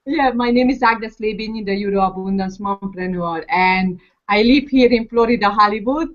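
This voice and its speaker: A woman's voice: medium pitch, moderate pace. Woman with a Hungarian accent, hesitant. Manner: hesitant, many fillers. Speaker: guest mother. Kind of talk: casual call self-introduction. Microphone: video call. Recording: lo-fi call audio.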